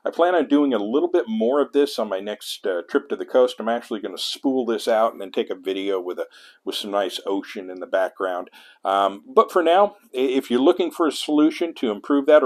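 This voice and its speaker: A middle-aged man with an American accent and a somewhat low voice presents a hands-on tutorial. His delivery is conversational and unscripted. He often circles back to reword a phrase as he thinks it through. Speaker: host of an amateur radio tutorial series. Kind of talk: casual hands-on demonstration talk.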